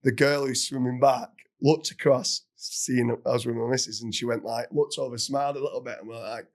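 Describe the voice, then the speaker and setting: A man hosting a podcast, telling a funny story in a casual, animated way with plenty of swearing and laughter. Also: mid-range voice, fairly quick. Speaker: podcast host.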